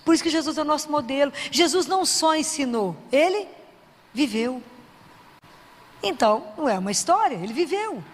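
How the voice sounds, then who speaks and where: Woman, sermon, high voice, questions to the audience, long hall reverb. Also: expressive, normal speed. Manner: asks the audience questions, acts out prayers in a softer voice. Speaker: Christian speaker.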